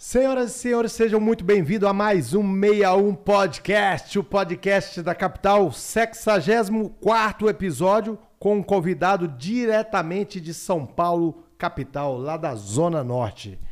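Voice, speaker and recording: Over music in the background, a man speaks very slowly with lively intonation. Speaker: podcast host. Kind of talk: podcast intro and sponsor reading. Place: studio. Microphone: studio mic.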